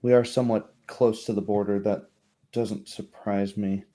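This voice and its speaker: A man's voice: fairly low pitch, flat delivery, normal speed, mellow, lightly acted. A man voicing a courteous, concerned baroness in a tabletop game, formal and hesitant in speech. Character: courteous, concerned noblewoman, a baroness hosting guests.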